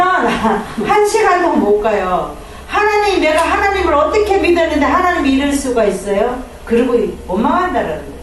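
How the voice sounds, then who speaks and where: A woman pastor preaching a sermon, animated, acting out quoted prayers and complaints. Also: high voice, a little hiss or hum. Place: church sanctuary. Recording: echoey hall from far off.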